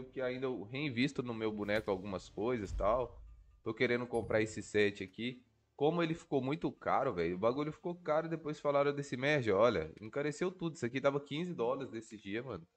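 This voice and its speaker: A Brazilian man with a stuffy, congested nose from a cold, thinking aloud in casual, slangy gameplay commentary. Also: medium pitch. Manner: informal, slangy, swearing. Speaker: gaming video creator.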